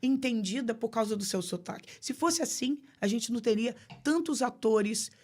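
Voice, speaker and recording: A woman's voice: on the high side, animated, moderate pace, a little mellow. A woman with a Brazilian accent, an English pronunciation teacher, explaining emphatically in a podcast conversation. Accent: Brazilian Portuguese. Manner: emphatic, explanatory, acts out quoted voices.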